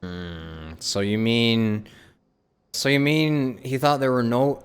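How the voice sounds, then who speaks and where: A man reacting casually to a game on a livestream, excitable and sweary, often repeating his phrases. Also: mid-range voice, slow pace, clear, resonant tone. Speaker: game streamer. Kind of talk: casual live gameplay reaction.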